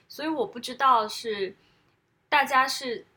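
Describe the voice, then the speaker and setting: A woman at a fairly slow pace, lively intonation, and noticeable background noise. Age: 20s. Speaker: podcast guest. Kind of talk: casual chat.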